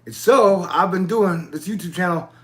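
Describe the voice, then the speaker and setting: Rambling man in his forties, higher voice. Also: normal speed, fairly bright tone. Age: 40s. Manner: loose, digressive, swears casually. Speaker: YouTube channel host. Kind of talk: casual rambling monologue.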